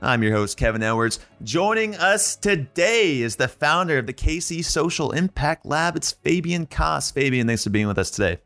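A man hosting a podcast interview, introducing his guest with an energetic countdown and asking questions. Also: a little high, moderate pace, few pauses, soft background music. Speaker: podcast host.

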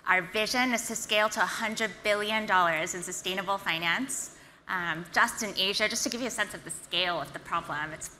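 A woman from Singapore, a founder giving an earnest, energetic conference talk. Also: mid-range voice, slight background noise. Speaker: startup founder and CEO. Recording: reverberant hall, faint ambience.

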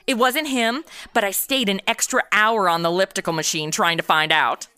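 A woman's voice: medium pitch, moderate pace, bright, forceful tone, clean tone, dry recording, natural voice. A woman playing a flippant modern twenty-something amateur detective in a comedy audio drama, sarcastic and breezy. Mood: flippant, probing. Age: 20s. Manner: sarcastic, breezy, easily sidetracked. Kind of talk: comedy audio drama, wisecracking first-person narration.

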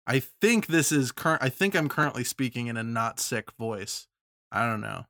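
A man co-hosting a casual podcast, playful and self-mocking, his voice hoarse from a sore throat. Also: medium pitch, expressive, moderate pace, bright, forceful tone, no room sound, clean studio sound. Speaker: podcast co-host. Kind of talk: casual chat.

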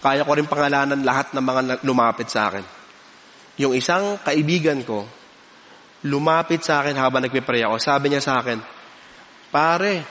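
A man, preaching a sermon and telling a personal story in an animated way, often laughing between lines. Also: fairly high pitch, big-room sound.

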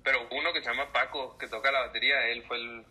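A man's voice: medium pitch, quick pace, rough recording. A man in his twenties with a Mexican accent, a church musician telling stories in a casual interview and acting out the voices in them. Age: 20s. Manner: animated storyteller, acts out voices.

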